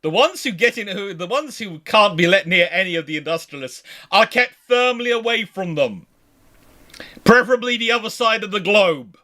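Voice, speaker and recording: A man's voice: high-pitched, animated, normal speed, sharp tone. A man hosting an unscripted history discussion, talking discursively and emphatically and often correcting himself. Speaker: naval history show host.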